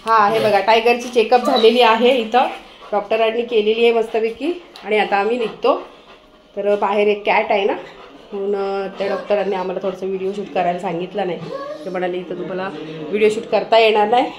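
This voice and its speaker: A woman's voice: mid-range voice, flat delivery, brisk, background noise. A woman vlogging casually as she takes her dog out in a car and on the street at night. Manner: chatty, coaxing her dog along. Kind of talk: casual vlog narration.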